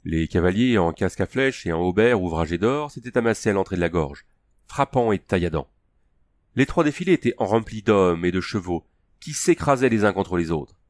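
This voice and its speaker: A man narrating an adventure story as an audiobook, steady and measured. His voice sits on the low side and is recorded close and dry, with no room sound around it. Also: dry recording. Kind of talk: scripted narration of a fantasy story.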